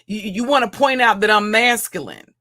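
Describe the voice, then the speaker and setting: Deep-voiced woman with a mocking, profane rant. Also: normal speed, bright, forceful tone. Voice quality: deep, heavy voice. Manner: mocking, insulting, repeats and restarts phrases. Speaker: livestream commentator.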